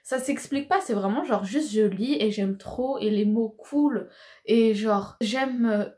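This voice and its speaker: A woman's voice: on the high side, a little slow, dark tone. Chatty woman vlogging about books. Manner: chatty, full of fillers and slang, laughs often. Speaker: book vlogger. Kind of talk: casual chat to camera.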